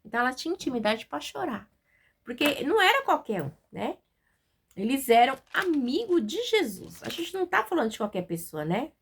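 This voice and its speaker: A woman with a Brazilian Portuguese accent giving an informal devotional Bible talk, chatty, with many fillers and tag questions, and reading verses slowly. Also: sits high, very animated. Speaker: Bible teacher.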